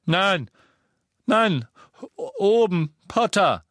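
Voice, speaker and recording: A man voicing a desperate old father who begs in a high, frantic voice. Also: big pitch swings, drawn-out words, a bit bright, dry recording, clean studio sound, heavily acted. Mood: panicked. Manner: pleading, frantic, voice breaking high.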